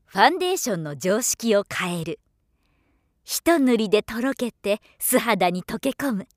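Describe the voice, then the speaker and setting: A woman giving scripted narration as a professional voiceover artist, with a measured, polished delivery. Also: a little high, big pitch swings, no echo, studio quality.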